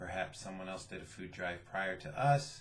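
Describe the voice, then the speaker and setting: With ordinary pitch variation and a moderate pace, a man talks over noticeable background noise. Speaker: father, motivational vlogger. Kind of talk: motivational vlog talk to camera.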